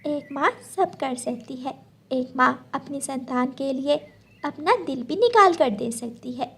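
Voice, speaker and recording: A woman's voice: sits high, unhurried, gravelly, a bit bright, full character voice. A woman voicing a kind, caring mother bird in a cartoon story. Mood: tender.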